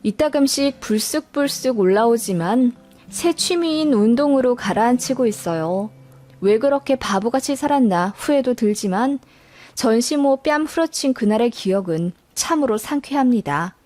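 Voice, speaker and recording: A woman's voice: on the high side, lively intonation, normal speed, warm tone, no echo. A woman narrator reading a scripted first-person life story. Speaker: narrator of listener life stories.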